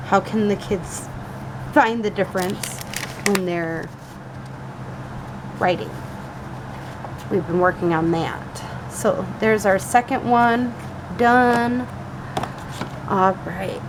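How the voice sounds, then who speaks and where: Speaking in a Midwestern accent, a woman of medium pitch moves at a very slow pace with lively intonation and long, frequent pauses amid noticeable background noise. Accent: Midwest US. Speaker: crafter. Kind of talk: craft tutorial. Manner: casual, rambling.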